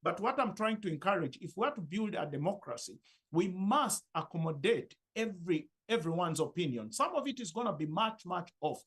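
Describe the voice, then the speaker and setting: A man's voice: high-pitched, very animated, a little fast, a bit bright, breathy edge. A man speaking emphatically and persuasively as a panelist in a discussion.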